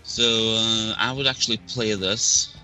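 Very bright-toned hesitant male guest. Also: lowish voice, steady tone, measured pace, faint music behind, low-quality recording. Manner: hesitant, repeats "actually" often. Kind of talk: casual chat.

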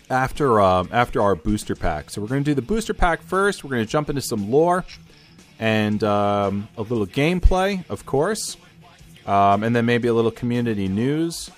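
A man hosting a casual podcast, energetic and talkative, often repeating himself with fillers. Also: mid-range voice. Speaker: podcast host. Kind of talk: casual chat.

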